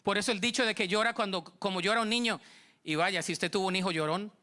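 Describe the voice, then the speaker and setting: A man's voice: sits high, fast, sharp tone. A Colombian man preaching a sermon in church, telling a story and acting out its dialogue. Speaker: pastor.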